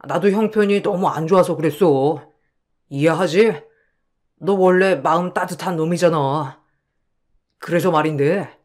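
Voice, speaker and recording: A man's voice: fairly high pitch, close to an everyday voice. A man playing a slick, shameless con man. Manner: slick, coaxing, turns to abusive shouting. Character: shameless middle-aged male con man, wheedling. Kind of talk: audio drama acting.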